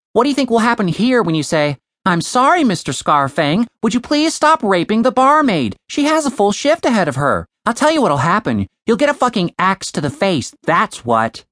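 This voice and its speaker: A man's voice: high voice, sing-song, moderate pace, hardly any pauses, a bit bright, no room sound, studio quality, voice pushed up. A woman voicing a grumpy, foul-mouthed young man, a former bartender who rants profanely. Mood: ranting. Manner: profane, ranting.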